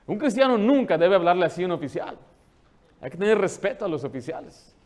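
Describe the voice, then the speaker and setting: A man preaching a sermon as pastor, animated, asking the congregation questions and acting out the people he quotes. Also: high voice, fairly quick. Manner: acts out quoted dialogue in changed voices.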